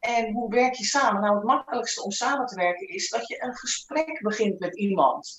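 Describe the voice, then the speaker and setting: Lively intonation runs through this woman's speech. Her pitch sits fairly high. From Netherlands, Zuid-Holland. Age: 50s. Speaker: teacher. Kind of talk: casual interview chat. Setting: video call. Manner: animated, halting with repetitions.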